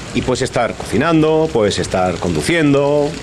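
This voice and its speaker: There is noticeable background noise behind this man. His intonation is lively. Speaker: radio host. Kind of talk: casual chat.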